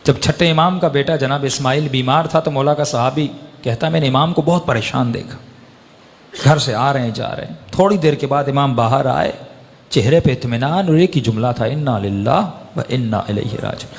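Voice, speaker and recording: A man preaching an emotional sermon, telling a story with rising impassioned peaks. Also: mid-range voice. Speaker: religious preacher. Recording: long hall reverb.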